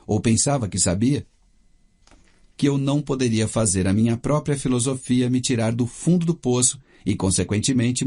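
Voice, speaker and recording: A man with a Brazilian Portuguese accent reading a first-person audiobook in a steady, measured way. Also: medium pitch. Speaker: audiobook narrator.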